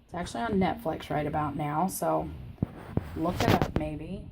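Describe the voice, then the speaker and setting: A woman with a scratchy, croaky voice from illness, hosting a crafting channel. She gives a rambling, chatty personal update from her home craft room. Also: low voice, moderate pace. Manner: rambling and chatty, with many fillers. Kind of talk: casual personal update chat.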